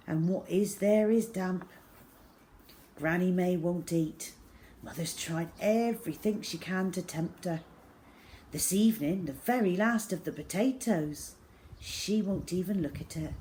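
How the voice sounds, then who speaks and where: A woman reads a story aloud as its narrator. Her delivery is expressive and measured, with dramatic weight given to the feeling in each phrase. It sounds like a children's audiobook told in the first person. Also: fairly low pitch, slight background noise, poor audio.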